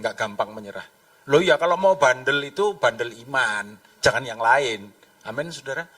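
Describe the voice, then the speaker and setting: Lively pastor preaching from afar. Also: male voice, mid-range voice, normal speed, recorded from a distance. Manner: lively, conversational, acts out voices in his stories. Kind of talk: sermon.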